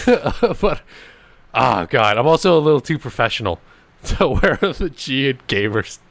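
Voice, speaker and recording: A man's voice: mid-range voice, takes it slowly, creaky, slight background noise. A young man hosting a podcast, telling a rambling story with lots of swearing and laughter. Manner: swearing, laughing, animated anecdotes. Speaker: podcast host. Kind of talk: casual storytelling chat.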